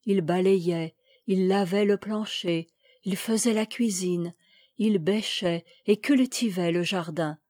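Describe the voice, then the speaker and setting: A woman reading a classic children's tale aloud in a measured, expressive storytelling manner. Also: mid-range voice, no echo, clean studio sound. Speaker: reader.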